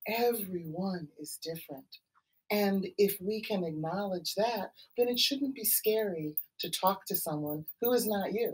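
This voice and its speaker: Somewhat breathy, a woman talks at a fairly slow pace with ordinary pitch variation. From New York City, the Bronx. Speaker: college professor and diversity program leader. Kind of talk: webinar discussion. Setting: video webinar. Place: office. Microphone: camera far.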